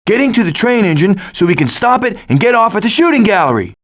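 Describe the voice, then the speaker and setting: A wisecracking raccoon gang leader from a cartoon video game. The voice sits high for a male and swings widely in pitch. The delivery is glib and cocky, with a sarcastic, scheming edge. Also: sing-song, fast talker, fairly bright tone. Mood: cocky, quipping. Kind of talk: animated video game voice acting.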